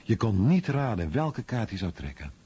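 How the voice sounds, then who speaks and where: An actor voicing a veteran airman recalling his comrade in a radio play, with a husky voice. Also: fairly low pitch, sing-song, normal speed, warm tone, heavily acted. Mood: wry recollection. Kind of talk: radio play voice-over translation. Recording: dull radio recording.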